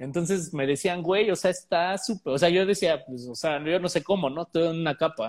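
Speech in a Mexican accent at a fairly quick pace with hardly any pauses and ordinary pitch variation, dry and close with no echo, in a very clean recording with a silent background. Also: man, high pitch for a man. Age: 30s. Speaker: toy artist and illustrator. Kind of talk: casual interview chat.

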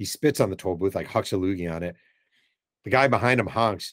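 A man with an American accent at a fairly quick pace, an ordinary speaking voice, in a very clean recording with a silent background. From New York State, US. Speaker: author and former sports journalist. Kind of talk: casual interview chat.

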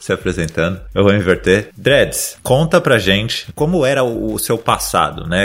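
There is vocal fry in this man's voice, and the recording is very clean with a silent background. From Brazil, São Paulo (Lapa). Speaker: podcast host. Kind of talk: casual chat.

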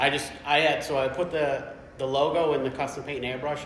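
The speaker is a man. Behind him there is noticeable background noise. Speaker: tattoo shop owner and airbrush artist. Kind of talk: casual chat. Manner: fast.

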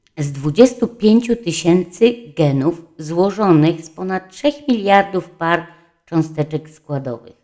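With lively intonation, a woman with an unremarkable speaking voice talks at a fairly low pitch. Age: 50s. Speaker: podcaster. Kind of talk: personal monologue. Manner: chatty, informal.

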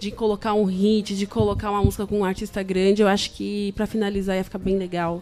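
Over music in the background, a woman talks at a very fast pace in a medium pitch. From São Paulo, Brazil. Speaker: podcast host. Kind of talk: casual chat.

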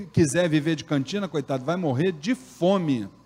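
With an animated tone and lively intonation, a man speaks at a fairly slow pace and a high pitch. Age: middle-aged. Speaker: spiritual leader of a Umbanda temple. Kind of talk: religious Q&A talk. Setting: temple with live audience.

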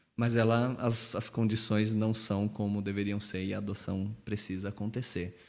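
A man talks at a moderate pace with monotone, flat intonation and hardly any pauses. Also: fairly low pitch for a man. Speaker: theologian and missionary. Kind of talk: podcast interview. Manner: halting, repeats words.

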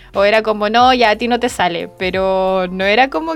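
The speaker talks with a Chilean accent. Music plays in the background. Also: woman. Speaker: podcast co-host. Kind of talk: casual chat.

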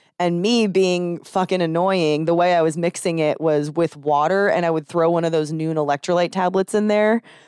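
A woman with a Texan accent speaks at a moderate pace and fairly low pitch, with hardly any pauses and fairly even intonation. Her loudness stays very even on a very clean recording with a silent background. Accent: Texan American English. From Texas. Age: 20s. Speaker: podcast host. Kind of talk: casual chat. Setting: studio.

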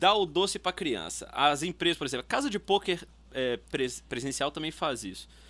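A man speaks at a fairly high pitch with lively intonation and vocal fry. The recording is very clean, with a silent background. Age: 20s. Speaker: podcast co-host, graphic designer. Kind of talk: casual comedic chat.

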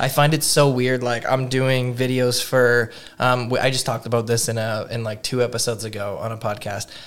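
Delivered at a fairly quick pace with hardly any pauses, the speech has a monotone, flat intonation over noticeable background noise. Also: man, medium pitch for a man. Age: 20s. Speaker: podcast host. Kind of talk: casual interview chat.

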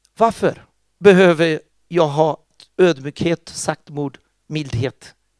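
A man talks very slowly at a fairly high pitch, his pitch varying in an ordinary way. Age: 50s. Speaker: church teacher. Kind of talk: teaching seminar.

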